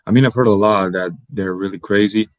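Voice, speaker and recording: A young man from Bosnia, Bosnian native, speaking English as a college basketball player in an interview, halting and repeating words as he searches for them. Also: on the low side, fairly even intonation, no echo. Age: young adult. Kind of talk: interview answers.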